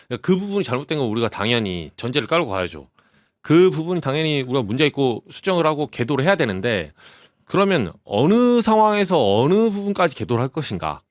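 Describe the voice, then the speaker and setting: A man on a political talk show panel, speaking in a measured way and posing rhetorical questions. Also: mid-range voice, sing-song, no echo, studio quality. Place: studio.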